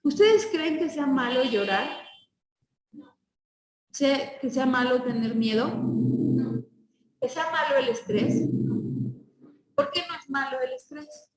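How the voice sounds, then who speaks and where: A woman's voice: high voice, slow pace, long pauses, roomy sound, far from the mic, a little hiss or hum, poor audio. A woman teaching a class, lecturing and asking her students questions before answering them herself.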